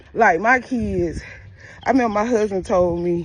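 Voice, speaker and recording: Her pitch sits in the medium range for a woman but swings very widely. She speaks at a fairly slow pace. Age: 40s. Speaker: vlogger, mother. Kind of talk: casual vlog monologue. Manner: halting, repetitive.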